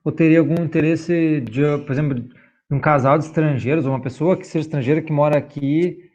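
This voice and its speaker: A man's voice: fairly high pitch, brisk, darkish tone. Hesitant male student, muffled. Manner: hesitant, rephrasing as he goes. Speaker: law student. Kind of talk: asking a question in class. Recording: dull, muffled classroom audio.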